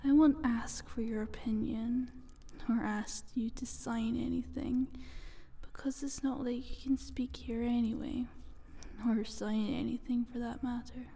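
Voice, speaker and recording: A woman playing a sly, taunting eldritch monster in a soft, breathy, half-whispered ASMR roleplay. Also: fairly high pitch. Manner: slow, teasing, condescending.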